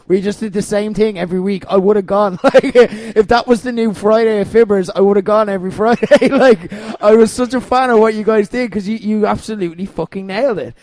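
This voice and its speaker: A man's voice: sits high, a little fast, hardly any pauses, darkish tone, dry recording. A man hosting a podcast, chatting casually, gushing and laughing often, with some swearing. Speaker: podcast host. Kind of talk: casual chat.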